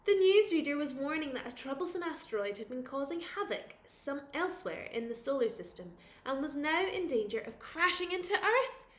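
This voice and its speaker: Woman, children's storybook reading, very lively melody, expressive, roomy echo. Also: high-pitched. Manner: expressive, playful, exclaiming over pictures. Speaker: teacher reading a picture book aloud to children.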